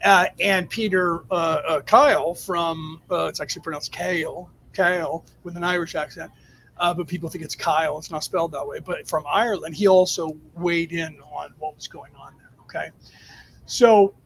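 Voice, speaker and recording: A man with a fairly high-pitched voice speaks as a spiritual teacher answering a live audience. He explains things emphatically and off the cuff, in stop-and-start phrases. A faint rumbling noise sits under the recording. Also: fairly even intonation, moderate pace, gravelly, a bit bright, low-quality recording. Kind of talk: extemporaneous spiritual lecture to a live chat.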